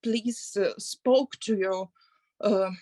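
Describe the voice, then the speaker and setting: A woman with a Ukrainian accent giving personal testimony on a video call, halting as she searches for words. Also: medium pitch, mellow, no echo, studio quality. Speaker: participant in a play reading.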